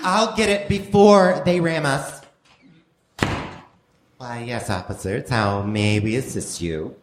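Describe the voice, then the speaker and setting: A man's voice: medium pitch, animated, slow, echoey room. A man playing a stuffy, flustered husband and father in a comic radio play, mock-formal and exasperated. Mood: polite, nervous. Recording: noisy live theater stage recording.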